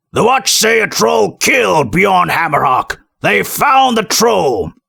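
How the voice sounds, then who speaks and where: Put-on character voice, raspy and at a fairly slow pace. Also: man, high pitch for a man. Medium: read story. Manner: blunt, curt.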